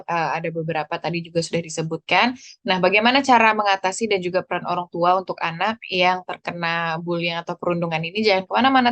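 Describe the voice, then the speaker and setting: Lower-voiced woman talk show host. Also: fairly bright tone, no room sound. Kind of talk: hosting a health talk show.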